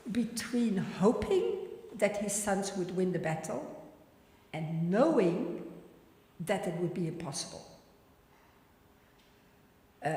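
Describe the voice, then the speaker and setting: A woman's voice: medium pitch, a little mellow. A woman teaching a scripture class, reading and explaining in plain, informal words. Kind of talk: scripture lecture with recitation and explanation. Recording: very echoey, reverberant hall.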